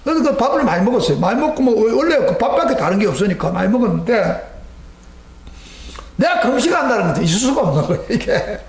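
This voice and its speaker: Middle-aged male pastor, fairly high voice, emphatic storytelling sermon, reverberant sanctuary sound. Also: very animated, fast talker. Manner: emphatic storytelling, acting out his own prayers; sweeping pitch, rising near a shout then dropping low. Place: church sanctuary.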